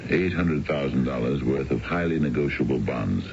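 A dignified, scheming older businessman with an extremely low voice and formal, measured delivery. It is a seventies radio play with a dull, noisy sound. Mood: discreet, calculating. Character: dignified older male executive, secretly a crooked schemer. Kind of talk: 1970s radio drama acting.

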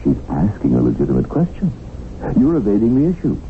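Unflappable rich captive, fifties, gravelly, sardonic, drawn-out phrasing, tinny vintage radio recording. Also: male voice, lowish voice, huge pitch swings, slight background noise. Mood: cool, probing. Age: middle-aged. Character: wry, unflappable wealthy man held captive, about fifty. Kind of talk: radio drama acting.

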